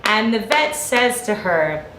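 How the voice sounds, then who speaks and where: A young woman co-hosting a talk show, chatting and telling a story on a studio couch, animated and laughing often. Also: medium pitch, takes it slowly. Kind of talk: casual banter, telling a story. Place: TV studio set, seated on a couch. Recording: roomy studio with faint hiss.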